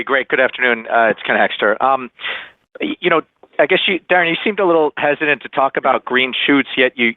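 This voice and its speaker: A dry, narrow phone connection carries a male analyst asking a question on a conference call. He is informal and a little halting in how he phrases it. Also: medium pitch, dry recording. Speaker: financial analyst caller. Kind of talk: conversational question on an earnings call.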